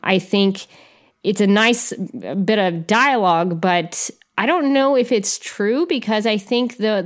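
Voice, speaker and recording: A woman co-hosting a podcast, talking casually about a movie with many restarts and fillers. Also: medium pitch. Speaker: podcast co-host. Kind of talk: casual film discussion.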